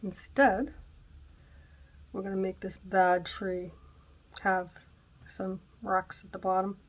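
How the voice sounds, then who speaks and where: A woman with a raspy voice hosting a casual craft tutorial at home, thinking aloud and sometimes dropping to a whisper as she works. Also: medium pitch, little pitch movement, slow pace. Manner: chatty, thinking aloud while working, drops to whispers. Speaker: craft channel host. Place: home craft room on a gray day. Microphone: camera mic, moves close and away while working.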